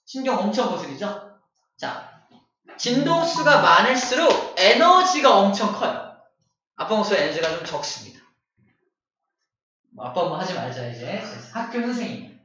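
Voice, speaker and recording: A man teaching a classroom lesson, playful and animated, acting out voices as examples. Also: high voice, normal speed, pauses often, a little hiss or hum. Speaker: middle school science teacher. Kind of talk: classroom lecture. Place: echoey classroom. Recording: dull, echoey from far off.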